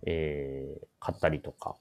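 A man hosting a menswear shop radio show, talking casually and politely about clothes, often pausing to think aloud. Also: extremely low pitch, flat delivery, a little mellow. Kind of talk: casual radio-style talk introducing clothes.

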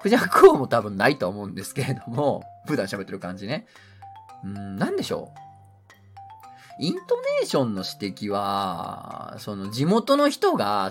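A middle-aged man with a Kansai accent, hosting a casual talk show, reading listener mail and joking to himself. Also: medium pitch. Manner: joking, animated, talks to himself. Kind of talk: casual radio chat.

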